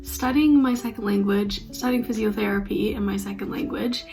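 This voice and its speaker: A woman's voice: mid-range voice, steady tone, moderate pace, vocal fry, darkish tone, faint music behind. A young woman from Canada with a Canadian accent, chatting casually and upbeat in a travel vlog. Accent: Canadian English. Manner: chatty, upbeat, laughs easily. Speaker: vlogger.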